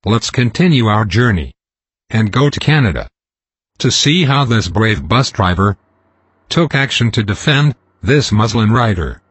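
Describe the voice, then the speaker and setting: A man giving scripted narration between clips, measured, announcing each one. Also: lowish voice, expressive, a bit bright, husky, no room sound.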